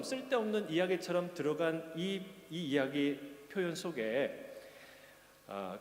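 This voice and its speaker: A male pastor preaching a sermon, earnest and questioning, rising to emphatic peaks. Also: on the high side. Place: church sanctuary. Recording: echoey church hall.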